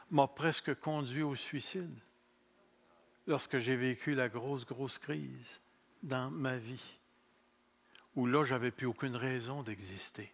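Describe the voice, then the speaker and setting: A man in his sixties with a Québécois accent, preaching a sermon as pastor. He speaks deliberately, repeats key phrases and jokes about himself. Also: a little high. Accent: Québécois French. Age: 60s. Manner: slow, deliberate preaching with repeated phrases and self-mocking humor.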